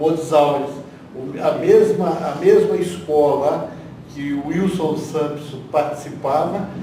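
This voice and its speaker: A man with a fairly high pitch speaks very slowly and with fairly even intonation. Room echo and noticeable background noise are audible. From interior of São Paulo state, Brazil (raised in São Paulo city from age 12). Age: 60s. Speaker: pastor and former theater actor. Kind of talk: interview.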